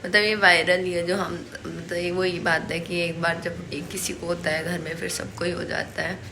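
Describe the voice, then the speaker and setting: A woman's voice: fairly low pitch, little pitch movement, moderate pace, vocal fry, background noise. A young woman chatting in a rambling, casual way in a home vlog while nursing a sore throat and a cold. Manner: chatty, rambling, many fillers. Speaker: family vlogger.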